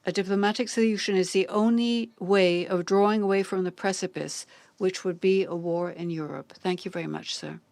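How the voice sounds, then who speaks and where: A woman simultaneously interpreting formal diplomatic speeches, measured and deliberate, pausing on hesitant fillers. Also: mid-range voice, fairly even intonation, gravelly, a little mellow, no room sound. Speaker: conference interpreter.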